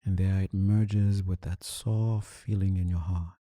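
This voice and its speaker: A man leading a guided meditation, calm and soothing, speaking in deliberate short phrases with long pauses. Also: sits low, no room sound, studio quality. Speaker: meditation teacher.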